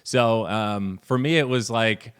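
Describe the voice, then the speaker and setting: A man hosting a casual interview, talking in a relaxed, rambling way with friendly asides. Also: lowish voice, slow, smooth. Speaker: podcast host.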